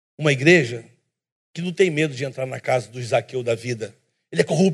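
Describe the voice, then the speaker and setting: A man speaks at a fairly quick pace in a somewhat breathy, fairly high voice, his tone animated with ordinary pitch variation. His loudness swings widely, broken by long, frequent pauses. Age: 50s. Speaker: preacher. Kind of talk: sermon. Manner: animated, questioning the congregation.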